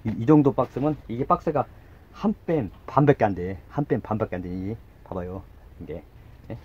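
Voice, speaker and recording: This middle-aged gardening host demonstrates yard work outdoors by a house, talking casually as he works, muttering asides and repeating short words. His husky voice is medium-pitched and fairly quick, and the recording has the highs cut off.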